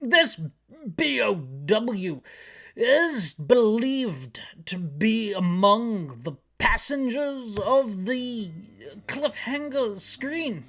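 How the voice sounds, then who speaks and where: A game player voicing a theatrical, genderless chief who gives urgent, grandiose orders in drawn-out, emphatic phrases. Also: medium pitch, sing-song, fairly bright tone, voice pushed up, heavily acted. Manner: overblown, drawn-out, emphatic delivery.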